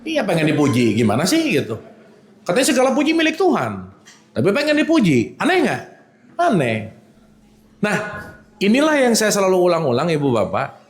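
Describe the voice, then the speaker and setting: A man delivers a relaxed religious lesson, his voice swinging widely up and down as he teases and checks on his listeners. He sits slightly high for a man. The room adds a clear echo. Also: a little fast, long pauses. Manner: animated, teasing, checks in with the audience. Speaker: religious teacher. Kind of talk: casual religious lecture.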